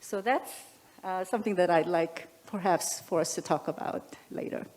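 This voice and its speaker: Brief: woman, scholar on a panel, thoughtful, measured speech. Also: fairly low pitch, a little mellow. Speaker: panel presenter, academic. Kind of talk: academic panel remarks.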